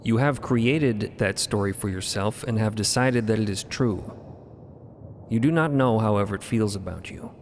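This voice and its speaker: A man playing a calm, stern mentor of a religious order in audio fiction, speaking formally and precisely. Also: on the low side, moderate pace, big-room sound, slight background noise, close to an everyday voice. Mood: calm, admonishing.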